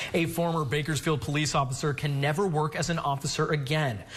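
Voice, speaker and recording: Through noticeable background noise, a man with a fairly high voice speaks at a fairly quick pace with ordinary pitch variation. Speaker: local TV news anchor. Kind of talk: TV news anchor delivery.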